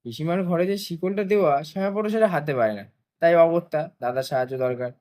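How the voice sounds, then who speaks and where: A man narrating a children's story for a cartoon in an expressive, lively way. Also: a little high, a little fast.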